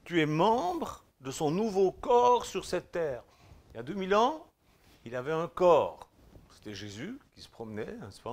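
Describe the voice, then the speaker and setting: Fervent Swiss pastor with a lively pitch. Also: male voice. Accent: Swiss French. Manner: emphatic, exhorting, swings between loud declarations and quiet asides; informal, speaks directly to the listener with tu. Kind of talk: sermon.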